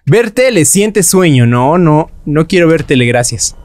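A man's voice: a little high, expressive, measured pace, darkish tone. A man commenting on a horror game he is playing, joking and breaking into nervous laughs and shrieks. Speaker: gaming YouTuber.

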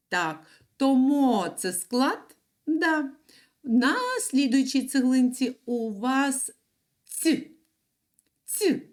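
A woman teaching young children an online reading and writing lesson, explaining patiently step by step. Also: fairly high pitch. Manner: slow, patient, lively sing-song explaining. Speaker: primary school teacher.

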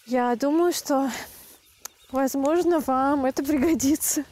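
A young woman speaks slowly and deliberately, her voice high but soft and mellow. She explains things calmly for language learners while filming herself at arm's length. The sound comes straight off a handheld camera, indoors and out. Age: young adult. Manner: calm, unhurried, deliberate explaining. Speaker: language teacher vlogger. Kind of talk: slow, clear Russian for learners. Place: country house and outdoor yard.

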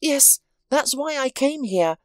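A woman's voice: sits high, expressive, slow, dry recording, studio quality, faint music behind, voice pushed up. A woman voicing a shaken, ashamed wife who speaks in an anxious, apologetic way in a storybook reading.

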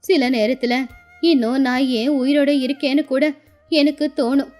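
A woman voicing an affectionate, sorrowful elderly village grandmother, speaking slowly and plaintively in a children's moral story. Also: high voice, fairly even intonation, a little mellow, soft background music, close to an everyday voice. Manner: plaintive, slow, tender.

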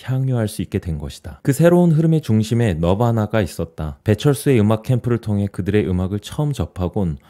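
A man in his forties reads a long essay aloud into a studio microphone in a small home studio room. His voice sits a little low and sounds very dark and mellow. His reading stays calm and earnest. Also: quick pace, hardly any pauses. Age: 40s. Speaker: YouTube host. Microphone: studio mic on boom, headphones.

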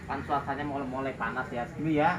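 A man's voice: mid-range voice, fairly even intonation, quick pace. A man chatting casually with his client and friends while cutting hair in a small salon. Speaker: barber and channel host. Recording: roomy, far from the mic, noisy.

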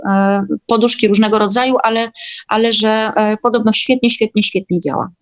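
A woman's voice: mid-range voice, steady tone, normal speed. A woman guest in a casual online discussion, speaking in hesitant bursts with repeated words.

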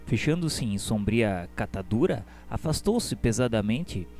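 A man's voice: lowish voice, very animated, a little slow, darkish tone. A man giving scripted, formal and solemn narration for a radio drama. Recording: music behind the voice.

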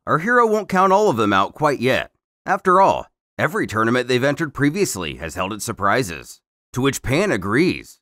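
A man's voice: medium pitch, fairly bright tone. A man narrating a scripted story recap as a host, in a storyteller's delivery.

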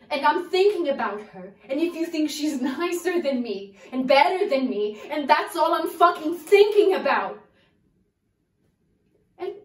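A young woman acting a hurt, lovesick woman confronting her lover in a searching, halting dramatic monologue. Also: high-pitched. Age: young adult. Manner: searching, halting soliloquy with pauses and swings from quiet to forceful. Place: indoor room before a plain backdrop. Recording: roomy echo, distant microphone.

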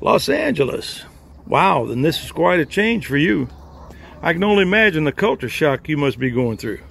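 A neighborly police captain played by a man in a radio play, chatty and courteous. His voice is husky and full of gravel, pitched a little high. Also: sing-song, normal speed, a bit bright, full character voice. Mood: friendly. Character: friendly, neighborly small-town male police captain. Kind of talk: radio drama acting.

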